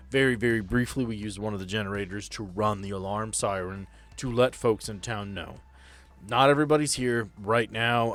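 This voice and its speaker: A man playing a large, gruff small-town deputy who is blunt, exasperated and prone to swearing. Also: fairly low pitch, a bit bright, lightly acted.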